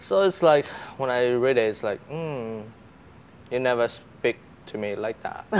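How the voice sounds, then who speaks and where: A man speaks fairly slowly in a Chinese accent. Long pauses come often. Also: medium pitch for a man, ordinary pitch variation. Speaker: university student and entrepreneur. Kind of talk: interview. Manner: halting.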